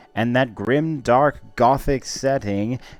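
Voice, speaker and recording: Music in the background behind a man at medium pitch, ordinary pitch variation and a very slow pace. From Australia. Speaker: VTuber / content creator. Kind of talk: casual explainer video narration.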